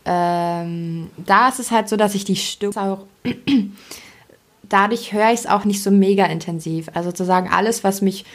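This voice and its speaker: Young woman, podcast co-host, from East Germany and raised in Berlin, casual, rambling, self-reflective, slangy, mid-pitched. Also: moderate pace. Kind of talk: casual conversational podcast chat.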